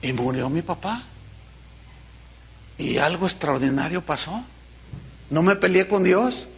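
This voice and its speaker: A middle-aged man with a Mexican accent, a pastor preaching a sermon, animated, acting out quotes with humor. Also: on the high side, unhurried, vocal fry. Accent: Mexican Spanish.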